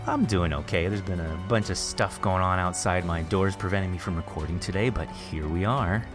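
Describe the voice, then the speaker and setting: A man's voice: deep voice, normal speed, music in the background. A man hosting a podcast in a conversational interview style, chatty, with hesitant, repeated phrasing. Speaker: podcast host.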